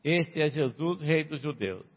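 A man preaching a sermon to a congregation, reading scripture and explaining it with sharp rises and drops and frequent calls for amen. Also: fairly high pitch, expressive, unhurried. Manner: emphatic, rises and falls sharply, asks the congregation for amens. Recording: dull lo-fi sound with long hall reverb.

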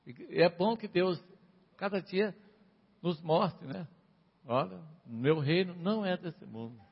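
Preacher guy, kinda high voice, a bit husky, big swings in loudness, lots of amen?, dull lo-fi recording with a long echo. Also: slow. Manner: emphatic, rises and falls sharply, asks the congregation for amens. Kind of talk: sermon, reading and explaining scripture. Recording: dull lo-fi sound with long hall reverb.

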